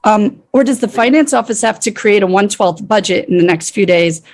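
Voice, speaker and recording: A woman's voice: medium pitch, moderate pace, a little mellow. A woman from the city staff speaking at a council meeting with a scratchy voice, concerned and defensive. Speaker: municipal staff member.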